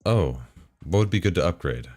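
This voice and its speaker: A deep-voiced male streamer chatting casually as he reads forum posts aloud while his game loads. He drops dry, sarcastic remarks and chuckles between lines, with soft music in the background. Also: expressive, moderate pace.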